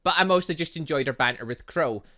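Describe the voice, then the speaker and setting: A man's voice: a little high, quick pace, pushed and bright. A man doing casual let's play commentary, rambling and reacting aloud as he plays. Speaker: gaming channel host.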